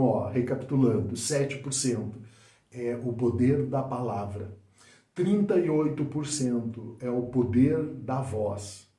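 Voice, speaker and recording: A man gives a spoken lesson on public speaking, shifting his loudness, speed and pitch on purpose to demonstrate. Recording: roomy echo.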